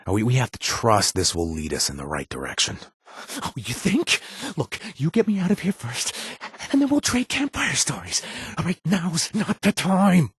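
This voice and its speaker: An actor playing a jaded, wisecracking male ex-raider bartender in a video game, sarcastic and rambling with nervous fillers, husky voice. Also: medium pitch, huge pitch swings, normal speed, no room sound, full character voice. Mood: wry. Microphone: close studio mic.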